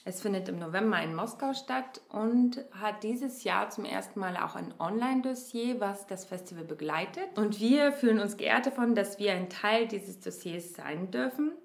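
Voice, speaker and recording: A woman's voice: mid-range voice, lively intonation, moderate pace, creaky, hardly any pauses, echoey room. Chatty woman podcast host. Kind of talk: casual podcast chat.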